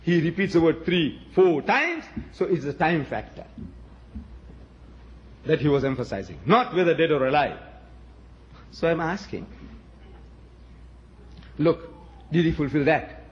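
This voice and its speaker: A man whose first language is Gujarati lectures a crowd in an emphatic, rhetorical way, hammering the same questions again and again. His voice sits a little high for a man. The recording sounds dull and lo-fi. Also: animated, unhurried, long pauses. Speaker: lecturer addressing an audience.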